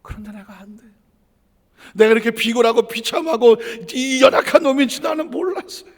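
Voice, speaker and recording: A man's voice: very high voice, a little fast, vocal fry, voice pushed up. A man preacher voicing an ashamed, despairing male disciple who pleads and often drops to a whisper, in a church hall with long reverb. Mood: anguished.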